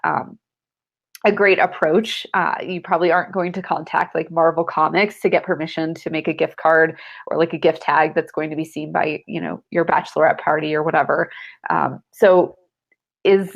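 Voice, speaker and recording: Congested lawyer woman on a video call, low gravelly voice, dull lo-fi sound. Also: steady tone, moderate pace. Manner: friendly, laughs often, many ums. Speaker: guest attorney. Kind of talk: casual video chat interview.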